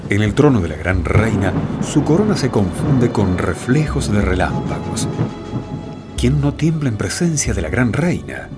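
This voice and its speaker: A man reading poetic scripted narration in a solemn, dramatic, expressive way. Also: fairly low pitch, unhurried. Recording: loud music with rain and thunder. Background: loud music, rain, thunder.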